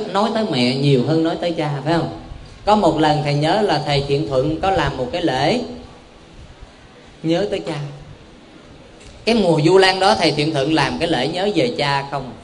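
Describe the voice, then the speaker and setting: A male Buddhist monk gives a folksy, joking dharma talk, constantly tossing questions back to a live audience in a temple hall. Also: fairly high pitch. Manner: keeps quizzing the audience with call-and-response questions; homely, joking, folksy preaching.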